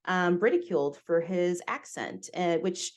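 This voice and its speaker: Woman podcast guest with a lowish voice, telling her story openly and with energy. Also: a little slow. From United States. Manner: candid, animated storytelling. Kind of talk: casual interview conversation.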